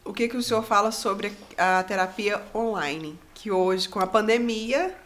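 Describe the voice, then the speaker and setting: A woman's voice: mid-range voice, a little slow, a bit bright. A woman, hosting a casual podcast and telling anecdotes in a conversational way. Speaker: podcast host.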